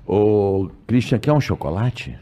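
A man's voice: lowish voice, very animated, slow pace, warm tone. A man hosting a podcast, chatting in a playful, teasing manner. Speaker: podcast host. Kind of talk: casual chat.

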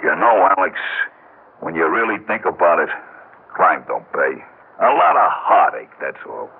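An actor playing a blunt, menacing big-city gangster boss with slangy tough-guy talk and a husky voice, in a 1940s-style radio drama. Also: low voice, sing-song, moderate pace, heavily acted. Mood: mellowed. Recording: tinny old radio recording.

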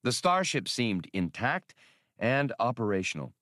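A man reading a science fiction adventure aloud as an audiobook narrator, in a measured, expressive storytelling delivery. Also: medium pitch, no room sound, studio quality.

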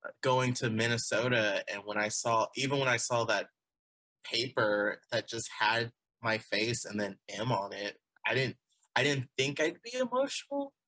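Young man, twenties, guest, rambling casual talk, bright tone, dry sound. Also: mid-range voice, animated, moderate pace, no echo, poor audio. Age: 20s. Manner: rambling, filler-heavy, laughs often. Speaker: guest artist. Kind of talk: casual conversation.

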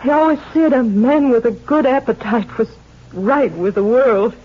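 An actress playing a grieving, gracious sheriff's widow, gentle, folksy and hesitant, in 1950s radio drama style. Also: female voice, fairly high pitch, moderate pace, slightly rough. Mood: wistful, hospitable. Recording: dull vintage 1950s radio recording.

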